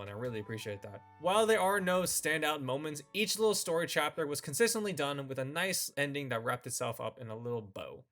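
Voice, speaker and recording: A man's voice: medium pitch, fairly bright tone. A man presenting semi-scripted review commentary as the host of a video channel. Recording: voice-over with music behind.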